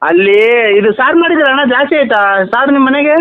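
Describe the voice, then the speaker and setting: Brief: scheming comic man, very high voice, rapid patter, dull lo-fi recording. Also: expressive. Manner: fast, scheming, chatty. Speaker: comedy performer. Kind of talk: rural comedy dialogue. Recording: dull lo-fi dry audio.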